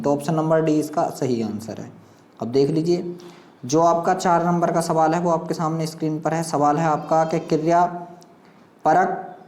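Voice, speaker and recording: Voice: mid-range voice, darkish tone. A teacher explains a practice quiz, reading out questions and options and addressing learners directly with repeated instructional phrases. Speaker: exam coaching teacher. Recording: echoey room sound.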